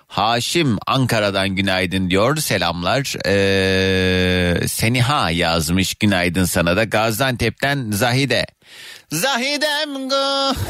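A man with fairly low pitch and a bright, sharp tone speaks at a very slow pace. His loudness stays very even, with ordinary pitch variation. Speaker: radio host. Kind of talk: live morning radio show, casual chat. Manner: animated, chatty.

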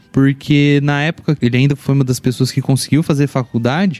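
A man's fairly high voice at a very fast pace, with music in the background. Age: 20s. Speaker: coffee farmer and agronomist. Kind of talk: casual interview chat.

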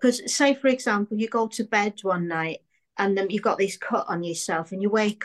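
An unremarkable speaking voice at a moderate pace with ordinary pitch variation, in a dry, close sound with no echo. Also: woman. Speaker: business owner in mentoring group. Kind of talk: group mentoring conversation. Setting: video call. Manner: casual, swears.

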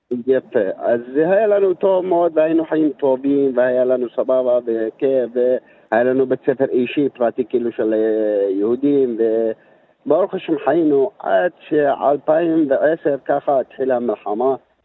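A man with a Yemeni accent at a very slow pace, medium in pitch, with ordinary pitch variation. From Yemen, Amran. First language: Yemeni Arabic (speaking Hebrew). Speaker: community leader and ritual slaughterer. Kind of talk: interview testimony. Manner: halting.

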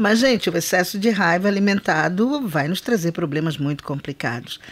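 A woman speaks with lively intonation. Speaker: clinical psychologist. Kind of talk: radio interview. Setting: radio studio.

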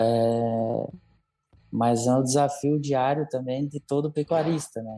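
A man's monotone, flat delivery plays out with music in the background. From Brazil, interior of Rondônia. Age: middle-aged. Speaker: agronomist and agricultural researcher. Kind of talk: casual interview. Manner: hesitant, many fillers.

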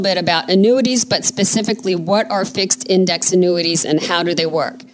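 With music in the background, the speech moves at a fairly quick pace with ordinary pitch variation. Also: woman. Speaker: financial advisor. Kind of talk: radio show discussion.

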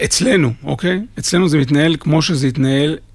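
This voice belongs to a man. His pitch is fairly high, with ordinary variation. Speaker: creative director. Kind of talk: interview. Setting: studio.

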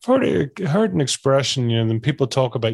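A man with an Irish accent speaks at a fairly quick clip in a fairly high, somewhat breathy voice whose pitch swings very widely, recorded dry and close with no echo. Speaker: podcast host. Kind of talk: interview conversation.

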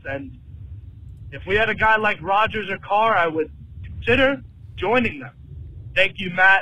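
At a moderate pace, a man with a high voice talks in an American accent. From New York City (the Bronx). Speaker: caller. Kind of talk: voicemail question.

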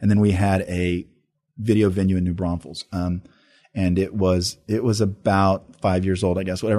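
A man's very deep, low voice, dark and mellow in tone, with ordinary pitch variation at a moderate pace. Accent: American. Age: 40s. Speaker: pastor. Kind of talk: casual chat.

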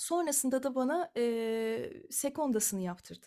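On a very clean recording with a silent background, a woman speaks at a high pitch with lively intonation. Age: 30s. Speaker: clarinetist. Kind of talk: interview.

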